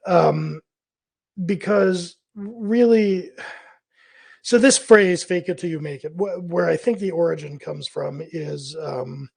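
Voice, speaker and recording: A man hosting a freelance business advice video, his voice hoarse and scratchy as he recovers from laryngitis. He rambles and thinks aloud, correcting himself as he goes. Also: fairly high pitch, slow pace. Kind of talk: casual advice monologue.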